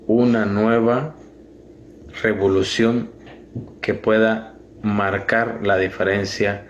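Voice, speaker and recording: A young man from Guatemala with a Guatemalan Spanish accent, giving a slow, earnest prepared video statement. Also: fairly low pitch, slight background noise. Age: young adult. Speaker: video speaker.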